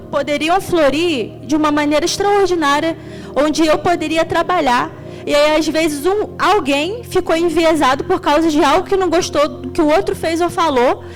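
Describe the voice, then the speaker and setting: A young woman from Rio de Janeiro preaches in a high, bright voice with a strong Carioca accent. She tells her stories in an extroverted, animated way, warm with laughter. Faint music plays softly underneath. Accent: Carioca Portuguese. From Rio de Janeiro, Brazil. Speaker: deaconess preaching. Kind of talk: sermon.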